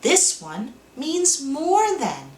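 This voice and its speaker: An earnest little storybook girl, acted by a woman, explains carefully with animated emphasis. Her pace is slow and the room is echoey. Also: high voice, voice pushed up, exaggerated voice. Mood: earnest explaining. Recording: roomy echo, faint noise.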